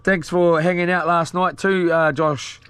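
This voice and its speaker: A man's voice: fairly high pitch, little pitch movement, a little slow, fairly bright tone, clean tone, no room sound. A man with a broad New Zealand accent, chatting casually on a live stream in a slangy, matey, rambling way. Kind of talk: casual live-stream chat, reading out and answering viewer comments.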